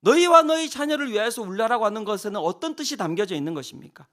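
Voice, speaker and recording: A male pastor delivers a revival sermon in a strikingly high voice that rises and falls with lively pitch. He swings between loud, dramatic cries and hushed near-whispers. He keeps putting rhetorical questions to the congregation. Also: quick pace.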